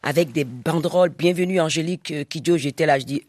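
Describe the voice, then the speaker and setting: Animated woman telling stories, dry studio. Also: low-pitched, quick pace, dry recording. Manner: lively storyteller, acts out quoted people, laughs often. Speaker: singer, interview guest. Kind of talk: casual interview chat. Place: recording studio. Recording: dry, close studio sound.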